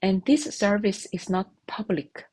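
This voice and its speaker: A woman in her thirties whose first language is Korean, a software engineer talking through her development process in a halting, hesitant way. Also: medium pitch, lively intonation, husky, no room sound. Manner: hesitant, halting, restarts often. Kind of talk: casual devlog narration.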